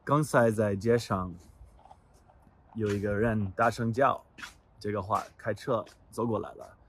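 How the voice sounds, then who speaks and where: Calm American man speaking Mandarin. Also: lowish voice, a little hiss or hum. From United States. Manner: calm, unhurried recounting. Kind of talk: casual personal video.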